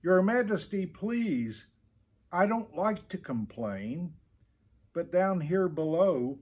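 A man's voice: a little high, a little mellow, slightly rough, heavily acted. A man voicing a humble little storybook turtle who pleads politely and plaintively.

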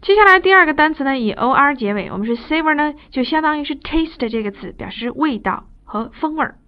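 Woman ESL teacher, high voice, lecture with slow drilled phrases, dull lo-fi audio. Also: expressive. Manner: switches between fast chatty explanation and slow drilled English phrases. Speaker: English teacher. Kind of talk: recorded classroom lecture.

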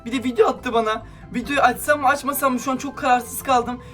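A man's voice: extremely high pitch, fairly even intonation, fast talker, fairly bright tone, faint music behind. A man giving gameplay commentary to his viewers, irritated and ranting, hurling insults at another player. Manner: talks straight to viewers. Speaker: gaming YouTuber.

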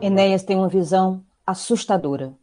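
A woman's voice: medium pitch, fairly quick, over music. A woman with a Brazilian accent giving scripted dramatic narration as the storyteller of an audio drama.

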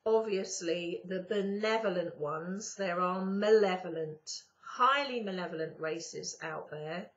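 A middle-aged woman speaks to her webcam from a sofa at home, her voice croaky as if from early morning. She stretches out her words slowly and pauses often as she talks about spiritual matters. The audio is a little dull. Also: fairly low pitch, fairly bright tone. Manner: slow, drawn-out phrasing with pauses. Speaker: spiritual channeler and YouTuber. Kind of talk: casual spiritual monologue to camera. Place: indoors, sitting on a sofa at home. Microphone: webcam at close range.

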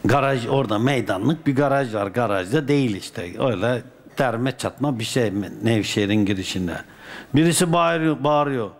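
A man from Turkey, a dervish, telling a personal anecdote in a colloquial, lively way with folk sayings. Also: mid-range voice, normal speed, slight background noise. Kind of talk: casual spoken anecdote.

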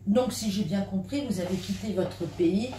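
A woman's voice: mid-range voice, moderate pace, mellow. A woman asking questions as an interviewer. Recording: distant, echoey, faint noise.

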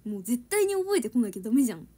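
A woman's voice: on the high side, very animated, racing, mellow, husky. A young woman chatting casually on a livestream, giggling and answering viewers' comments. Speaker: idol trainee livestreaming to fans.

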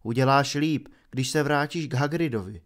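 A man voicing a young male centaur in an audiobook, speaking in a measured, earnest way. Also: medium pitch, natural voice. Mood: grave. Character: young male centaur, calm grave protector. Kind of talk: audiobook character voice.

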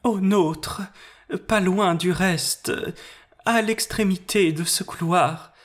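A man reading an audiobook, voicing a reserved noble countess in a slow, measured, hesitant way. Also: high voice, fairly bright tone, pitched above the performer's own voice.

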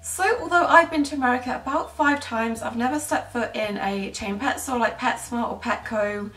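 A British woman in her twenties talks casually to the camera in a bedroom. Her voice sits fairly high, and the sound is roomy, picked up a little way from the microphone. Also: moderate pace, fairly bright tone. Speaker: pet-care vlogger. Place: small bedroom indoors. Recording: roomy echo, distant microphone, faint music.

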